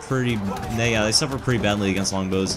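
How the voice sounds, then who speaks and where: A man's medium-pitched voice with ordinary pitch variation, amid noticeable background noise and audible room echo. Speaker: gaming youtuber. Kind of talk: gameplay commentary. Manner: fast.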